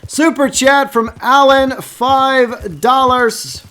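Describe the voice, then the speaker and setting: A man's voice: very high voice, steady tone, slow pace, bright, forceful tone, clear, resonant tone. A man from Texas, casually chatting to viewers on a live game stream and reading their comments aloud.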